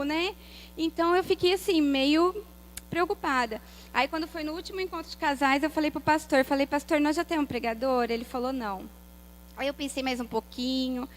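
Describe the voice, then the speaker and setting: A Brazilian Portuguese woman with a high voice speaks to a church congregation at a couples' event. She is preaching for the first time and sounds hesitant, breaking off and restarting her sentences. She often ends them with little tag questions. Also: poor audio. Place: church hall.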